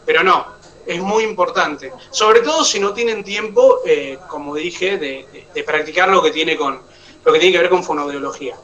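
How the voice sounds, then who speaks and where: A man with an Argentine Spanish accent gives an online oratory class lecture, explaining step by step and checking that his students follow along. His voice is on the high side, bright and forceful, at a moderate pace, though the mic is distant and the audio sounds dull.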